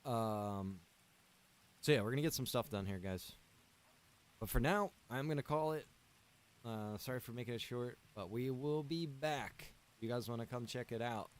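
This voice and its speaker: A man chatting casually while streaming a survival game, rambling in a relaxed way to his viewers. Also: medium pitch. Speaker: streamer and server owner. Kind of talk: casual gaming stream chat.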